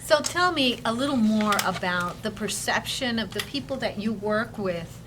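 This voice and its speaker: A woman's voice: mid-range voice, expressive, moderate pace, background noise. A woman hosting an interview segment, upbeat, posing long framing questions to her guest. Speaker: interview host. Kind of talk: talk show hosting. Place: studio.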